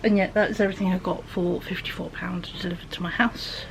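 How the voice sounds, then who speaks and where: Woman doing a haul vlog at home, lowish voice, bit wheezy, noisy background. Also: fairly even intonation, quick pace. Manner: chatty, many ums, drifts into soft half-whispers. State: wheezy from hay fever. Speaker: vlogger. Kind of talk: casual grocery haul chat. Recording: background noise.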